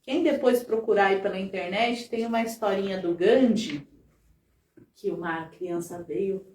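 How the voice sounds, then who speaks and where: A woman's voice: medium pitch, unhurried, a little mellow, recorded from a distance. A woman giving a conversational talk at a spiritist center, constantly checking in with her listeners. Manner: chatty, constant tag questions to the audience. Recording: roomy sound, voice from off the mic.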